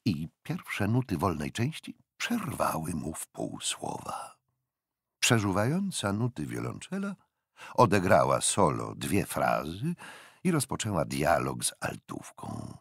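Older man, audiobook narrator, gravelly, extremely animated intonation, deliberate dramatic pauses, literary storytelling. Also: low-pitched, no room sound, clean studio sound.

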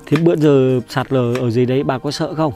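A man's voice: mid-range voice, steady tone, quick pace, dark tone, soft background music. A young man vlogging on a village visit, chatty and caring, talking straight to his viewers. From Vietnam. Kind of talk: casual vlog chat.

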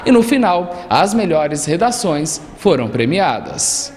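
A reporter narrating a news feature voice-over in a steady manner. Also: female voice, deep voice, slow pace, a little hiss or hum. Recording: reverberant voice-over.

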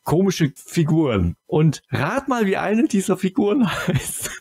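A man's voice: high-pitched, very animated, unhurried, darkish tone, husky, no room sound. A man chatting casually and emphatically as a sardonic podcast co-host reviewing audio dramas.

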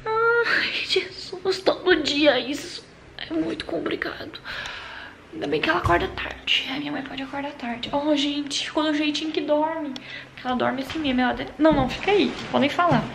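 A woman talks to her viewers in a casual, chatty vlog, filmed on a phone in a bedroom at night. Her voice sits fairly high and often sinks into a hushed murmur. The room echoes around her, with faint ambient noise underneath. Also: fairly even intonation, a little fast, gravelly. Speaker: vlogger caring for her mother at night.

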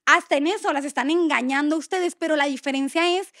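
A young woman tells her story in lively, casual chat, acting out each quoted line. Her voice sits high and bright. The sound is dry and close-miked. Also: a little fast, no echo. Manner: animated, acts out quoted dialogue. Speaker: guest.

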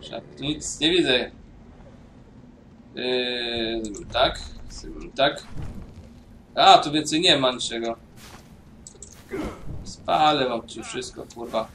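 A man's voice: mid-range voice, slow pace, pauses often, a bit bright, recorded from a distance, slight background noise. A man casually commenting on his own gameplay, mumbling to himself and swearing now and then. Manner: mumbling to himself while playing. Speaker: gaming YouTuber. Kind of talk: casual let's-play commentary.

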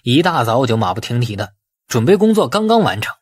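A man's voice: mid-range voice, sing-song, fast talker, husky, no room sound. A man voicing a self-assured younger businessman, curt and businesslike, in an audiobook. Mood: earnest, puzzled. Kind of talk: audiobook character dialogue.

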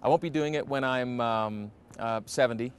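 A man in his forties, a radio announcer, answering interview questions in a relaxed, reflective way with many fillers, in an empty indoor arena. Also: mid-range voice, normal speed, a little hiss or hum. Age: 40s.

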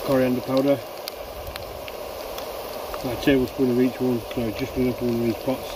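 Loud frying and bubbling sit around a man's voice picked up at some distance from the mic. He speaks at an ordinary middle pitch, informally explaining each cooking step and thinking aloud as he works at an outdoor camp. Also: little pitch movement, brisk, noisy background. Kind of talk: casual step-by-step cooking narration. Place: outdoors at a woodland camp, beside a cooking pan. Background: frying and bubbling food.

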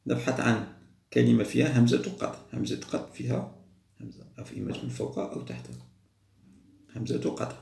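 A man speaking as a primary school teacher, going through test questions and repeating each word slowly for children. His voice is heavily gravelly with a middling pitch. The recording sounds roomy and echoey. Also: a little mellow. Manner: patient, repeats words slowly for pupils. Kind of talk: explaining a second-grade Arabic test.

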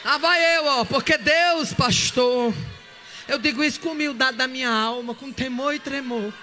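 A woman preacher, telling a story in a fervent sermon that breaks into shouts. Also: sits high, normal speed. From Northeast Brazil. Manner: shouting bursts and tongues, fervent.

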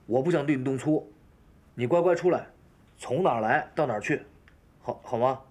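A man's voice: medium pitch, normal speed, darkish tone, close to an everyday voice. A man in his thirties playing a harried, placating husband in a TV drama, stammering and coaxing in a natural style. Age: 30s. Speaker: actor in a television family drama. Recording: music behind the dialogue.

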